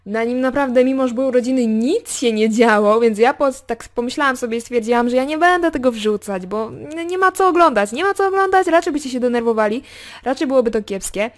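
A young woman hosting a casual game commentary, chatting straight to her viewers and swinging between excited remarks and quiet muttered asides. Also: fairly high pitch, a little fast. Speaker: gaming video host. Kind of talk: casual let's play commentary.

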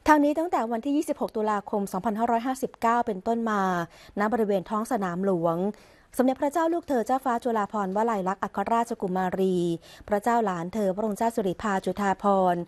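Woman reading formal royal court news. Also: on the high side. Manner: measured, formal and even. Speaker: news reader.

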